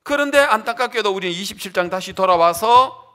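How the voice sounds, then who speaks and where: Lively, bright-voiced man preaching a sermon. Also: high voice, a little fast. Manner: animated preaching, questions to the congregation, acted-out quotes. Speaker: pastor. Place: church.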